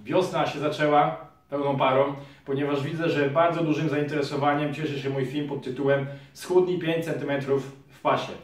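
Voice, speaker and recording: A man in his thirties, a physiotherapist and trainer, calmly explaining a fitness exercise to viewers, recorded by a camera across a small room. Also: fairly high pitch, normal speed, far from the mic. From Poland. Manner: calm, explanatory, addresses viewers directly. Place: small room in front of a curtain. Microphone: camera mic from across the room. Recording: very echoey room, voice from afar.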